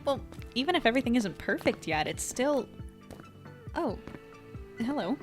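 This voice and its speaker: A woman's voice: fairly high pitch, sing-song, moderate pace, soft background music. A woman playing a friendly, self-doubting small-town newspaper editor in an audio drama, with a casual, hesitant delivery. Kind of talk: naturalistic audio drama acting.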